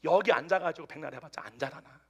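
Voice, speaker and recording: A male pastor preaching a Sunday sermon to a congregation, telling a story with animated swings between loud outbursts and hushed asides. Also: fairly high pitch, fast talker, husky. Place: church service with a congregation answering amen.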